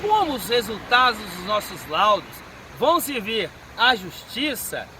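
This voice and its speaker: A Brazilian man in his fifties, a forensic medical examiner, answering interview questions in a measured, teaching manner. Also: very high voice, bright, forceful tone. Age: 50s. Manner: measured, didactic. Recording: street and car noise behind.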